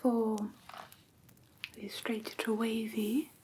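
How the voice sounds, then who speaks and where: A woman plays a gentle vampire schoolmistress in an ASMR roleplay. She speaks in a breathy, unhurried whisper, close to the microphone, with a careful and politely formal teaching manner. A faint noise sits behind her. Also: on the high side, little pitch movement. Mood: calm, attentive. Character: gentle, prim vampire woman teaching a human-care class. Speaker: ASMR performer.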